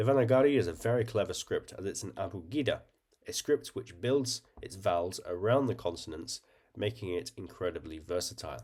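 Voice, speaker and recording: Somewhat breathy, fairly quick speech with lively intonation. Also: man, medium pitch for a man. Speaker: language educator YouTuber. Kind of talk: scripted educational narration. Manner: clear, explanatory.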